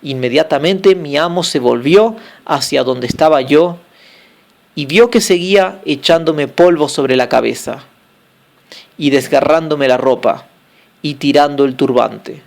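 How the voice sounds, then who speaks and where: A man reading a classic tale aloud as an audiobook, phrase by phrase at a steady pace, with small slips. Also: fairly high pitch, a little slow, gravelly. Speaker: audiobook narrator.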